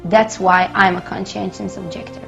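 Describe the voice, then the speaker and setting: A woman's voice: mid-range voice, little pitch movement, normal speed, creaky, lo-fi sound. Brief: teenage woman from Israel, earnest scripted line over music. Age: teens. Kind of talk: scripted statement to camera.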